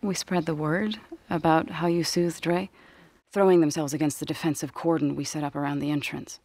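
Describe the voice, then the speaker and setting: An actress playing an earnest, solemn tribal healer in a science-fiction video game, speaking in a measured, grave, formal way. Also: female voice, sits low, steady tone, darkish tone, no echo. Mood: measured, determined. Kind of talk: scripted video game character dialogue.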